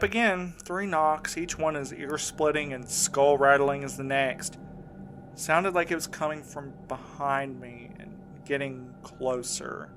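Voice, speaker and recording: Casting: male actor for shaken, earnest man in an audio drama, mid-range voice, halting and defensive delivery, music underneath. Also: mid-range voice, a bit bright, a little hiss or hum, natural voice. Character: shaken, insistent man recounting a frightening ordeal. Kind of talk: audio drama acting, first-person recounting.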